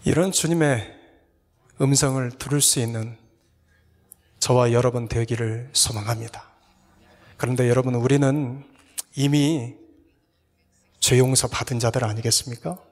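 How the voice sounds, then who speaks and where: A male pastor preaching a sermon, earnestly putting rhetorical questions to his congregation and sometimes dropping to a soft whisper. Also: mid-range voice, fairly even intonation, measured pace, long pauses. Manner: earnest, addresses listeners with repeated rhetorical questions. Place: church sanctuary. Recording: long reverb of a church hall.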